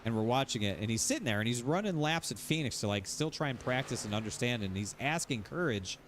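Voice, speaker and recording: A man's voice: mid-range voice, animated, fast talker, a bit bright, a little hiss or hum. A man streaming sim racing, ranting casually, rambling and repeating himself, swearing freely. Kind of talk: casual livestream rant.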